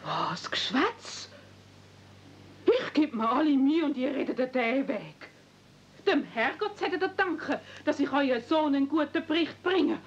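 A woman's voice: high-pitched, very animated, a little slow, exaggerated voice. A woman playing a pushy, scolding aunt in a radio play, nagging insistently with a Swiss German accent. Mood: indignant, threatening. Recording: muffled, noisy old 1970s audio play recording.

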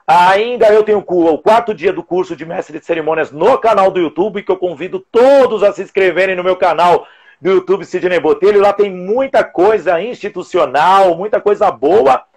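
Husky chatty Brazilian live host. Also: male voice, high voice, moderate pace, a little mellow. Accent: Brazilian Portuguese. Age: 40s. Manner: chatty, jokey, announces schedule. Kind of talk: casual live interview chat. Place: room at home. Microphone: earphones with mic on video call.

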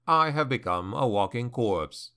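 A man's voice: mid-range voice, lively intonation, a little slow, sharp tone, smooth. A man voicing a grim, ambitious male noble warrior who speaks in a cold, defiant growl.

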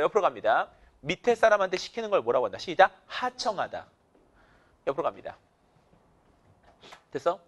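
A male English teacher giving an energetic vocabulary lecture, counting students in and drilling them with call-and-response cues. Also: on the high side.

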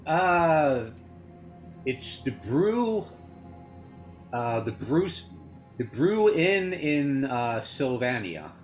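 A man chatting at a tabletop game on a video call from home. His voice is mid-pitched but moves around a lot in pitch, and he speaks offhandedly, often hesitating over his words. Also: sing-song, very slow, long pauses, faint music behind. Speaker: player. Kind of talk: casual table talk.

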